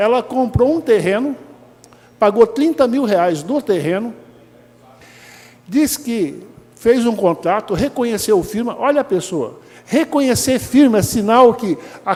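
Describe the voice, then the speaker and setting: At an extremely high pitch, a man speaks at a fairly slow pace with lively intonation and long, frequent pauses. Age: 60s. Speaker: city inspection director, retired police officer. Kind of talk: testimony at council hearing. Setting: council chamber session. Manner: halting.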